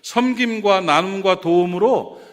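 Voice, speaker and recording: A man from South Korea preaching a sermon as pastor, animated and often questioning the congregation. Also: sits high, unhurried. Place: church sanctuary. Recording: reverberant church hall.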